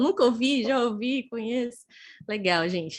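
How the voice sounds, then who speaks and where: A woman speaks with a Pernambuco accent. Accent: Pernambuco accent, noticeable. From Brazil, Pernambuco. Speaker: career speaker, recruiter. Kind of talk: online career talk. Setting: livestream. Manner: fast.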